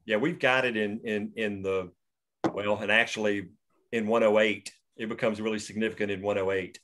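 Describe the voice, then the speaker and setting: A man's voice: on the low side, fairly even intonation, moderate pace, a bit bright. Rambling male screenwriter on a video call. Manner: rambling, with many restarts and fillers. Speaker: screenwriter hosting a table read. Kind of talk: casual chat after a table read.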